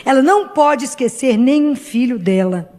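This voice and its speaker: High-voiced woman preaching earnestly. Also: expressive, moderate pace, dark tone. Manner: earnest, heartfelt, speaks directly to the congregation. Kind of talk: sermon.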